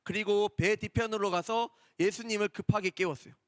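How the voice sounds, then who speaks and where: A man preaching a children's Sunday sermon in a church. He speaks gently, repeats key points and asks the children questions. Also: high voice, steady tone, fairly quick, no room sound, clean studio sound, long reverb tail. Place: church worship hall.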